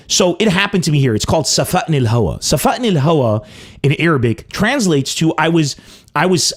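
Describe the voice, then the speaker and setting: Male comic host from Lebanon, young adult, slightly high voice with a wide-ranging, lively delivery and a mock-dramatic style. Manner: animated, mock-dramatic swings in pitch and pace. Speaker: comedy podcast host. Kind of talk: comic monologue.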